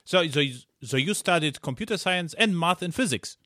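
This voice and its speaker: A man's voice: a little high, expressive, moderate pace, pushed and bright, dry recording, clean studio sound. A man hosting a podcast, asking curious questions in a hesitant way with frequent fillers and restarts. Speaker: podcast host. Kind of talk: casual conversational interview.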